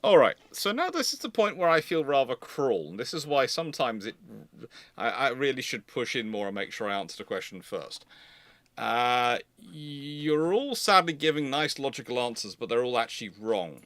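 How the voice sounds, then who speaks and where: A man with a bright, forceful voice explains things live and unscripted as a host. He rambles, doubling back to restart and repeat phrases. The sound is dry and close. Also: mid-range voice, very animated, moderate pace, no room sound. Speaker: host of a live naval history Q&A.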